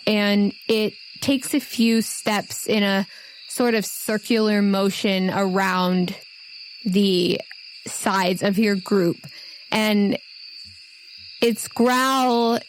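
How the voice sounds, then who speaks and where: A woman game master improvising narration for a tabletop role-playing game in a conversational, halting, descriptive way. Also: mid-range voice, poor audio. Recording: faint noise with night insects and owls.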